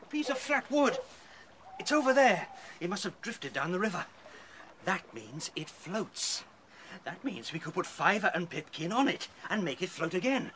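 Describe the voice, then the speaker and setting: A man's voice: sits high, very animated, moderate pace, fairly bright tone, a little hiss or hum. A man acting in a radio play as a clever, eager rabbit who explains things. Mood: excited.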